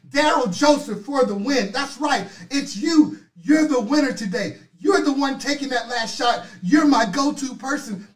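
A middle-aged man with a hoarse voice hosting a motivational livestream, loudly rousing viewers and calling out their names. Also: very high-pitched. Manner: loud, rousing, chanting names. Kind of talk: energetic motivational pep talk. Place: indoors at a desk, virtual city background. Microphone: webcam on a video stream. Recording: echoey, distant mic.

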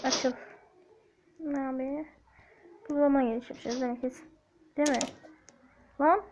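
High-voiced woman in a joking Black Sea accent. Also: steady tone, normal speed, muffled recording, noisy background. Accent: put-on Black Sea Turkish. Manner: joking, chatty, talks to viewers, hums snippets. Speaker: gaming YouTuber. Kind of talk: casual gameplay commentary.

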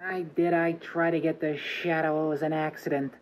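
An actor playing a jumpy, defiant small-time gangster with slangy tough talk, in 1930s radio style. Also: male voice, fairly high pitch, flat delivery, moderate pace, lightly acted, poor audio.

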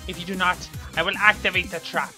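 A woman voicing a boastful, excitable male skeleton who loves puzzles, pompous and theatrical, in a cartoon comic dub. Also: fairly low pitch, fast, soft background music. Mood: boastful, commanding.

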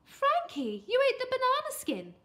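A woman acts out a doting storybook mum who is eager to please. Her voice is high and bright, lilting up and down in animated, coaxing exclamations. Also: unhurried, heavily acted. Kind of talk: children's storybook character voice.

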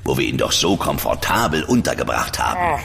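A man's voice: rumbling low, sing-song, a little fast, vocal fry, a bit bright, in a large hall, exaggerated voice. An actor playing a brutal, sneering constable in a radio play, mocking and threatening his prisoner. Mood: gloating. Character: brutal sneering male constable, sadistic jailer.

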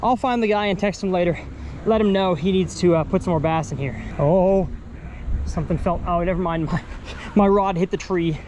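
A man's voice: high voice, normal speed. A man, chatting casually through a fishing vlog by an outdoor pond. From Texas. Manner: upbeat, chatty, thinking aloud while fishing. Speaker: fishing vlogger. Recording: outdoor recording with faint ambient noise.

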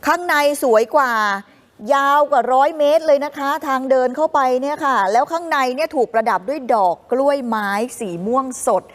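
Upbeat woman tv host chatting to viewers about travel clips, kinda high voice. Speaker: news show co-host. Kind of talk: casual live TV chat over travel footage.

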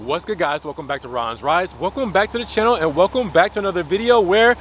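A man's voice: high-pitched, animated, fast. Chatty young man reviewing cars outdoors. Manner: chatty, upbeat, addresses viewers as guys. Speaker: car reviewer, channel host. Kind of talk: casual car review to camera. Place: outdoors on a car dealership lot. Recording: faint outdoor noise. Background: light wind and outdoor ambience.

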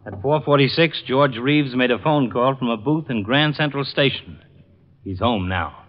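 Man as a gruff police lieutenant, noisy old recording. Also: medium pitch, moderate pace, muffled recording, lightly acted. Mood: harried. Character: harried, sceptical male police lieutenant. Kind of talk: 1940s radio detective drama acting.

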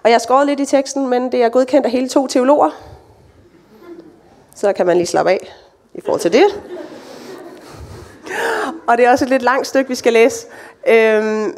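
A woman giving a sermon and reading scripture, speaking in a relaxed, conversational way with light asides. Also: a little high. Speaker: church speaker.

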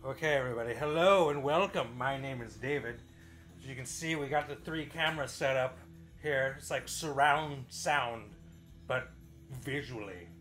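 A man's voice: medium pitch, normal speed, fairly bright tone, soft background music. A man in his forties talking casually to camera as a vlogger, rambling, repeating phrases for emphasis and swearing offhand. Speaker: vlogger and musician. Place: small bedroom home studio, indoors.

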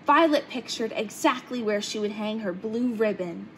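A young woman reading a children's picture book aloud in an expressive storytelling way. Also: medium pitch, normal speed, slight background noise. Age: young adult. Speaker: storybook reader. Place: indoor hangar-like museum room, seated in open cockpit.

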